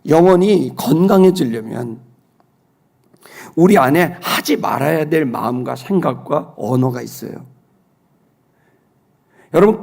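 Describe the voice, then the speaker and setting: A middle-aged male pastor preaching a Sunday sermon, telling a personal story with loud exclaims and soft low asides. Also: vocal fry.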